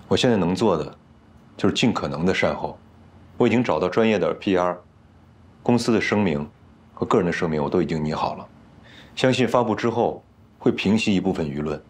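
An actor in his thirties playing a contrite but resolute man, husky, in serious TV drama dialogue. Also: low voice. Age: 30s.

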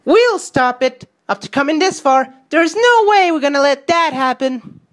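A woman's voice: high voice, expressive, moderate pace. A woman voicing a determined young boy hero from a video game, earnest and defiant.

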